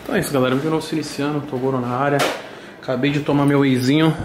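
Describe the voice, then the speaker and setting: A man's voice: mid-range voice, steady tone, very fast, background noise. Slangy young man vlogging. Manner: slangy, upbeat, talks to camera. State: stuffy with a cold. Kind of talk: casual vlog. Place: house indoors and street. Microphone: handheld camera at arm's length.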